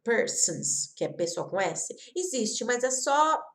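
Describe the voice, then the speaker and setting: A woman from Brazil teaching an online English lesson, repeating example words slowly and talking straight to her viewers. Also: a little high, very animated. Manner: slow, careful repetition of example words; chatty, addresses viewers directly.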